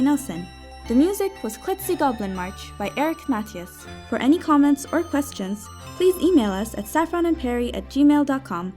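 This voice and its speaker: A woman's voice: a little high, warm tone. A woman reading scripted end credits for an audio drama podcast.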